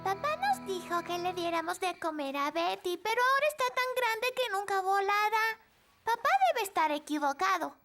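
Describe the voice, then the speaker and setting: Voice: very high-pitched, sing-song, normal speed, bright, forceful tone, faint music behind, exaggerated voice. A performer voicing an earnest, inquisitive little fairy princess girl in a Latin American Spanish children's cartoon dub.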